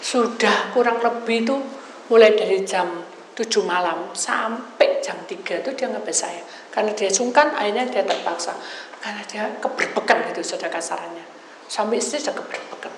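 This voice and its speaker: A woman pastor, preaching a sermon with lively storytelling, calling the congregation brothers and sisters and dropping into hushed asides. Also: mid-range voice, moderate pace, reverberant, slight background noise, low-quality recording.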